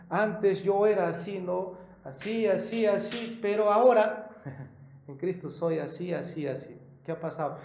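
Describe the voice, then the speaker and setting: A man preaching a sermon with a fairly high, gravelly voice that has a mellow, dark tone. He talks conversationally, corrects himself mid-sentence, tosses in rhetorical questions, and hits key words louder. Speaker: pastor.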